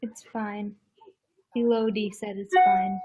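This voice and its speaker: A woman's voice: mid-range voice, level tone, slow pace, music in the background. A woman guest on a casual livestream video call, telling stories animatedly and teasing playfully.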